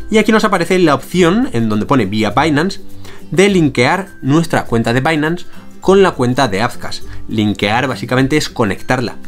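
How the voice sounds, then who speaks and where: A young man with a Spain Spanish accent, hosting a step-by-step screen-share tutorial from a small room, explaining energetically. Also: medium pitch. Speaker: tutorial host.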